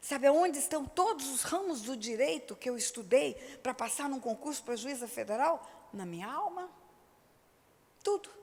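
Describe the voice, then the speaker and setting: Pausing long and often at a moderate pace, a woman with a high pitch shows very wide pitch swings and big swings in loudness. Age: 60s. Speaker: pastor. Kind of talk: sermon. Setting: church.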